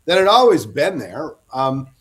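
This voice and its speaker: A man's voice: on the high side, big pitch swings, unhurried, fairly bright tone. A middle-aged man, a guest author, telling long rambling anecdotes in a casual interview and often breaking off to restart.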